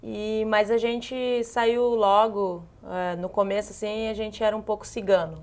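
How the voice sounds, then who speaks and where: A young woman from Brazil with a northern Paraná accent, a handball player answering interview questions in a soft, chatty way. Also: mid-range voice, steady tone, unhurried. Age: young adult. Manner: soft-spoken, chatty, laughs easily. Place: TV studio.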